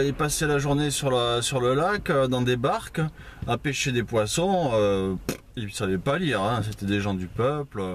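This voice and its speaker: A man's voice: medium pitch, slight background noise. A man giving an informal Bible teaching at a house church, conversational, with many fillers and asides. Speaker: preacher.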